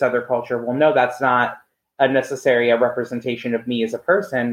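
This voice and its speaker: A man's unremarkable speaking voice at a medium pitch and a fairly quick pace. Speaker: teacher and podcast host. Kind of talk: casual conversation.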